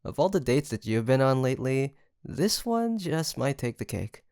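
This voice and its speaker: A man's voice: mid-range voice, very animated, moderate pace, a little mellow, dry recording, clean studio sound. A man playing a sweet young male roommate and best friend in an intimate roleplay audio, teasing and chatty with a playful storytelling streak. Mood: amused, teasing. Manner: teasing, chuckling, mock-grandiose storyteller.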